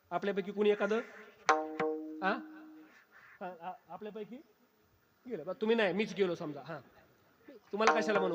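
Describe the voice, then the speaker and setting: High-voiced man preaching in an echoing hall. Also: highs cut off. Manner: teasing, keeps quizzing the crowd. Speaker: kirtan preacher. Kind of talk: humorous kirtan sermon to a live audience. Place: kirtan gathering before an audience. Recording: long hall reverb.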